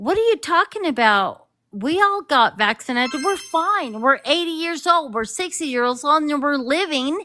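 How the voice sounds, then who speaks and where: Raised and projected, a woman's high voice has a bright, sharp tone and very wide pitch swings at a fairly slow pace. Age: 60s. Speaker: caller. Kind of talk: heated debate. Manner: animated.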